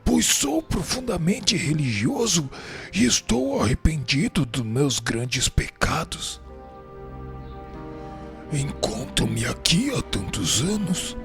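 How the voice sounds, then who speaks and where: Radio drama role: tormented male spirit, pious, self-justifying; gravelly, slow, highly animated pleading over music. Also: exaggerated voice. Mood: anguished, imploring. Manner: formal, florid, anguished pleading. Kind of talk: melodramatic radio drama acting.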